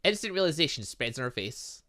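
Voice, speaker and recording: His voice is a little high, sing-song, and pushed and bright, delivered fairly quickly. This man hosts a gaming channel and plays a visual novel with chatty, casual commentary, reading bits of text and muttering to himself while thinking aloud.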